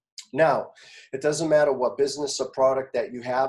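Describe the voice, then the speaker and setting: A man speaks with a Boston accent. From US Northeast, Boston area. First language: Portuguese. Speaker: online business coach. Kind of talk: webinar training. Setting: live webinar.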